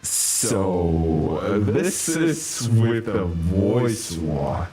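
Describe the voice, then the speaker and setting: A man trying out a voice changer that lowers his voice, talking slowly and playfully. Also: sing-song, warm tone, roomy sound, soft background music, exaggerated voice. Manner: slow, playful, showing off a deep modded voice. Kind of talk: casual livestream chat.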